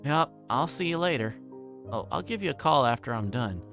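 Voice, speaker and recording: A man's voice: medium pitch, lively intonation, normal speed, music in the background, pitched above the performer's own voice, lightly acted. A man voicing a polite, apologetic teenage girl in a visual novel read-through. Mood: friendly, hurried.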